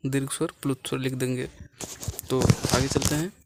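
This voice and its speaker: A man's voice: medium pitch, little pitch movement, fairly quick, heavy background noise. A man teaching a lesson step by step in a patient way, repeating key points and checking in often. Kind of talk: explaining a lesson plan step by step.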